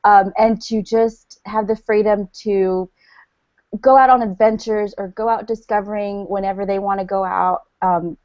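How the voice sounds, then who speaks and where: Bubbly, chatty mom on a video call, dry and muffled lo-fi sound. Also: female voice, mid-range voice, fairly even intonation, normal speed, a little mellow, no room sound. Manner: bubbly, chatty, full of fillers. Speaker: stay-at-home mother of three. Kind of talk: casual online group chat.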